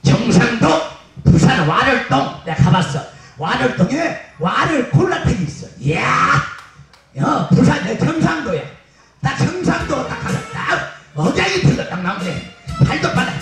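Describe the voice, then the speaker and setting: High, lively man joking on stage. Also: moderate pace. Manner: loud, teasing, bawdy jokes with laughter. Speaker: pumba street performer. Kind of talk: bawdy stage banter with the crowd. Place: outdoor beach stage show. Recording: echoey PA sound from far off, music behind.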